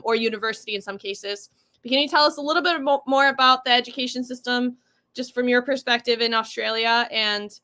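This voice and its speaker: Bright-voiced woman host asking questions. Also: fairly high pitch. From grew up partly in Iceland, then the US. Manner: chatty, rambling questions with fillers. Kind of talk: casual interview questions.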